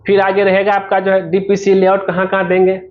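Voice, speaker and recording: A man's voice: high voice, monotone, fairly quick, lo-fi sound. A man giving an informal promotional explainer as a civil engineer, talking the viewer through his service step by step and directly.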